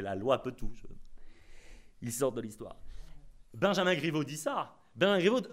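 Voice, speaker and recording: A man giving a conference lecture, ironic and emphatic, often repeating his key phrases. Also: medium pitch. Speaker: conference speaker.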